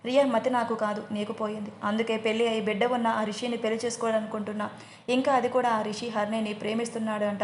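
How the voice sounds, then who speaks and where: A man's voice: high-pitched, level tone, brisk, echoey room, a little hiss or hum, close to an everyday voice. A woman voicing a stern, bossy middle-aged father who scolds his daughter, in an audio story.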